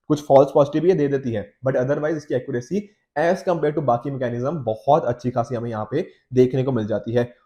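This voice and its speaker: Mellow Indian man teaching with a slight cold. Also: medium pitch. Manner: conversational, explanatory, frequent check-in tags. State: slight cold, sore throat. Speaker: teacher, exam coach. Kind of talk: explanatory lecture on newspaper editorials, Hindi mixed with English.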